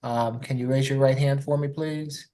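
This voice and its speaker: Mellow, even-toned male judge. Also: medium pitch. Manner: procedural, polite, measured. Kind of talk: formal courtroom plea questioning.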